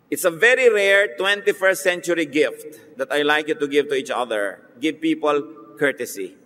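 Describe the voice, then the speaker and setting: Preaching in a church with a voice on the high side and a spacious sound, a Filipino-accented pastor mixes English into his sermon. He teases the congregation and breaks into lively mock voices.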